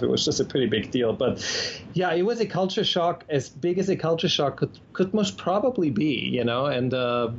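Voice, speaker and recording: A man's voice: mid-range voice, a little hiss or hum. Chatty Austrian-accented man, lo-fi sound. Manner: chatty, frequent restarts and repeated words. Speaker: guest. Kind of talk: casual interview conversation.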